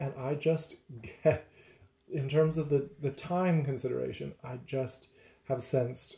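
Somewhat breathy, a man speaks slowly-ish at a medium pitch with a dark, mellow tone. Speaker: podcast co-host. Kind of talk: casual conversational podcast chat.

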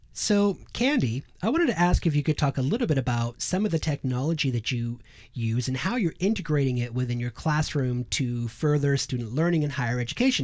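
A man talks at a fairly quick pace with lively intonation and a fairly high pitch. His is a plain, everyday voice. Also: very clean recording, silent background. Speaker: podcast host. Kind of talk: interview podcast conversation.

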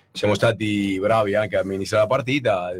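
The man's pitch is medium. His pitch variation is ordinary. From Argentina. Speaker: radio co-host. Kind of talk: casual chat. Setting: radio studio. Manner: animated.

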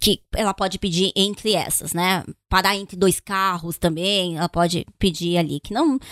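A woman speaks with a São Paulo accent, her pitch fairly low and her intonation fairly even. Her fairly slow delivery comes through dry and close, with no echo. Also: very clean recording, silent background. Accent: Paulistano Brazilian Portuguese. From São Paulo, Brazil. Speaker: driving instructor. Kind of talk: podcast interview.

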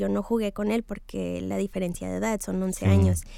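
The very clean recording, with its silent background, captures a woman speaking. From Southern California (Riverside), Mexican family. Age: 30s. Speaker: school psychologist. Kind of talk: interview.

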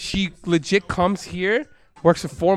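A man talks while music plays in the background. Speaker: podcast host. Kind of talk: casual chat. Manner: fast talker.

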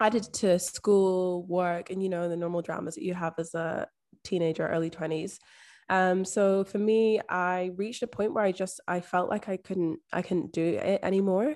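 This woman has a plain, everyday voice at a medium pitch. She talks at a moderate pace with fairly even intonation over a quiet background. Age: 20s. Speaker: mindset and manifestation coach. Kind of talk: podcast interview, personal story.

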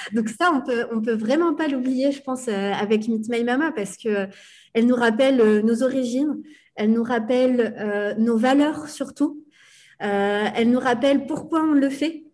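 A woman speaks in a high pitch over a quiet background. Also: ordinary pitch variation, fairly slow pace. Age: 20s. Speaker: startup founder. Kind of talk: interview.

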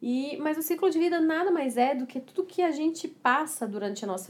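At a moderate pace, a woman with a Goiás accent talks with very wide pitch swings. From Goiás, Brazil. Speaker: family doctor, podcast co-host. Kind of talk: educational podcast talk.

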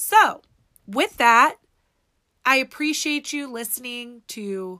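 A woman's high-pitched, bright, sharp voice with an animated tone and lively intonation, in a very clean recording with a silent background. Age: 30s. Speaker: podcast host. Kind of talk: solo monologue.

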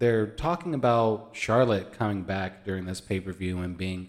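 A man with a plain, everyday voice and fairly low pitch shows ordinary pitch variation on a very clean recording with a silent background. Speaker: podcast host. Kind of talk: casual podcast chat, unscripted. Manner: theatrical, flowery.

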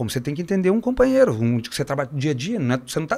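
His intonation moves in a lively way. The man's tone is dark and mellow. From Brazil, interior of Minas Gerais. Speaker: football coach, former player. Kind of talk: casual chat.

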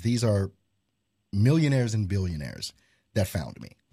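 A man's fairly low, somewhat breathy voice with a dark, mellow tone and lively intonation. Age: 40s. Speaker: voiceover artist and podcast host. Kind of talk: live call-in show.

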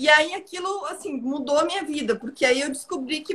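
At a moderate pace, a woman speaks. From Northeast Brazil, several cities. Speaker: lawyer and mediator. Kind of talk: interview on a live stream. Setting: online live stream.

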